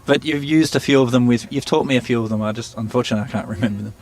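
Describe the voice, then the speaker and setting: A man telling stories in an interview, halting and searching for words, often laughing. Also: medium pitch. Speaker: interviewee, musician. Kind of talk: casual storytelling interview.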